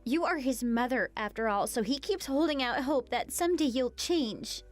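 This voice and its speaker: A patient young wife pleads earnestly with her cruel in-law, as a woman voices her. Her voice sits a little high and moves with lively ups and downs. Faint music runs under this animated story. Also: moderate pace. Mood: pleading. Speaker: daughter-in-law.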